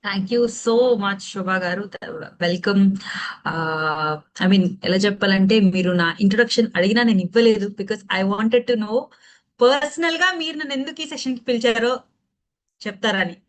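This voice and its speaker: A woman's voice: medium pitch, moderate pace, a little hiss or hum. A woman with a Telugu Indian accent leads a training session conversationally, putting questions to the audience and switching into English.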